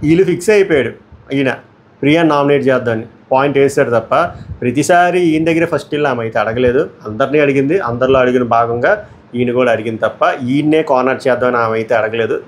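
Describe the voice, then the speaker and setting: A man giving a casual, opinionated review of a reality show episode, blunt and quick, often dropping in English words. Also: mid-range voice, slight background noise. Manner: blunt, rapid commentary mixing English words.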